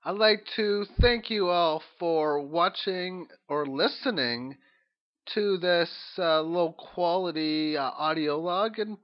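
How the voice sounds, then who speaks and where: A man giving an informal, opinionated monologue as host of an audio log, halting and rambling as he thinks aloud. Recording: dull, low-quality lo-fi audio log.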